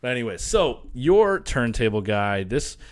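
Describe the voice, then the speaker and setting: A man's voice: mid-range voice, sing-song, a little slow. A man in his twenties co-hosting a sports podcast as the coach, telling stories in a laid-back way and laughing often. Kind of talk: casual sports chat.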